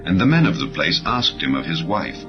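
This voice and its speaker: A man with a very deep voice narrates scripture for an audiobook. His delivery is solemn and measured, each phrase settling downward at its close. The sound is a little muffled, with music clearly playing underneath. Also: sing-song. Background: background music.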